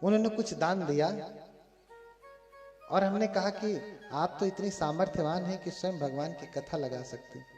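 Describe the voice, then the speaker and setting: A man's voice: high voice, normal speed. A Buddhist monk telling a story as a sermon. He keeps asking his audience questions. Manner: animated storyteller who addresses the audience with questions. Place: large hall with a live audience. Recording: echoey hall with faint music.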